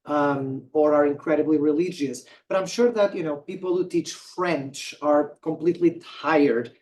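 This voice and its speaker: A man from Portugal, asking a guest lecturer a long, thoughtful question and pausing often to find his words. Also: a little high, a little mellow, slight background noise. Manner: thoughtful, searching for words, hesitant. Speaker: audience member asking the speaker a question. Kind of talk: question after an academic lecture. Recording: voice picked up from far off the mic.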